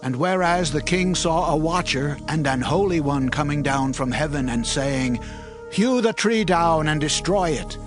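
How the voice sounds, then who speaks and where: A man's voice: a little high, measured pace, over music, lightly acted. An actor playing an earnest, respectful prophet who solemnly counsels his king in a dramatized scripture reading. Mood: grave.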